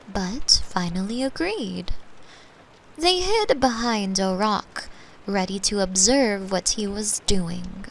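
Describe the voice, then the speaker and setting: A woman playing a caring, gently teasing girlfriend, telling a soft bedtime story with unhurried delivery and playful asides. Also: medium pitch, slight background noise, low-quality recording. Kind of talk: soft bedtime storytelling, sleep-aid roleplay.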